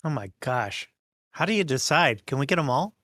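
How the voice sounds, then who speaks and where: A man's voice: medium pitch, big pitch swings, moderate pace, bright, forceful tone, no echo. A man chatting casually as a player in a tabletop game. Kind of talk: casual chat.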